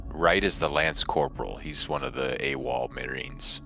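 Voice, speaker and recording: A man with a very deep, gravelly voice chatting casually as a tabletop game player on dull audio. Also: steady tone, moderate pace, pushed and bright, soft background music.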